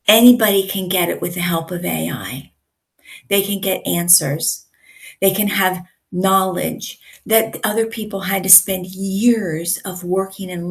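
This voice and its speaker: Woman communication coach, slightly raspy, unhurried and emphatic, gravelly edge. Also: mid-range voice. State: raspy from yelling at a concert. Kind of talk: teaching to camera.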